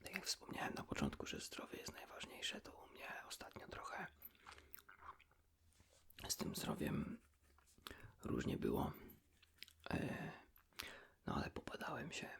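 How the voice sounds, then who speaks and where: Casting: male ASMR host, hushed whisper with heavy gravelly fry, informal and confiding. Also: rumbling low, wildly swooping pitch, a little slow, long pauses. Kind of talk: ASMR, whispered casual chat with the listener.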